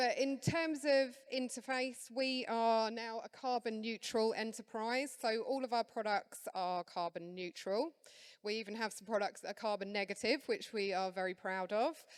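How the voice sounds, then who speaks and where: Hardly pausing, a woman speaks at a moderate pace and fairly high pitch with ordinary pitch variation, on a very clean recording with a silent background. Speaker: concept designer at a flooring company. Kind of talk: panel talk. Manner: loud.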